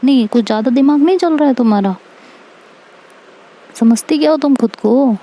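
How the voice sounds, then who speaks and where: A woman voicing a young woman's sharp-tongued ex-lover who scolds with rapid questions. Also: high-pitched, pitched above the performer's own voice. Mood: scolding.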